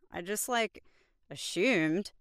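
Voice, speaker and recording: A woman's voice: mid-range voice, drawn-out words, no echo, clean studio sound. A woman playing a pessimistic young spellcaster in an audio drama, offhand and blunt. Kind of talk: naturalistic audio drama acting.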